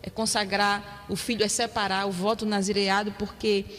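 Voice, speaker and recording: A woman's voice: mid-range voice, little pitch movement, normal speed. A Brazilian Portuguese woman preaching a sermon in a church, reflective and repeating her points for emphasis. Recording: long hall reverb with soft music.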